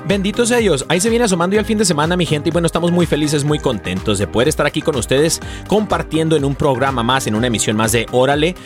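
A man's voice: on the high side, expressive, fast, hardly any pauses, music in the background. A man with a Mexican accent co-hosting a casual religious radio show, joking playfully in colloquial slang.

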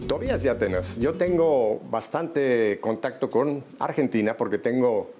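A man's voice: mid-range voice, a little slow, dark tone, soft background music. An older man hosting a Spanish-language radio interview, chatty and jovial. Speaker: radio host. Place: studio in Miami.

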